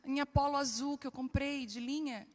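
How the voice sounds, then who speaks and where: A woman's voice: sits high, steady tone, moderate pace, lightly acted. Woman imitating a clueless, helpless husband. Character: clueless grown husband searching for his shirt. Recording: reverberant hall.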